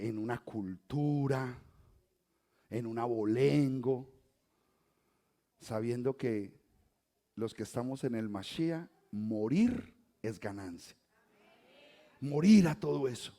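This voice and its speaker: Colombian pastor preaching with dramatic swings. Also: male voice, mid-range voice. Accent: Colombian Spanish, softened toward neutral. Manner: swings from quiet asides to loud emphatic exhortation. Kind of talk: sermon.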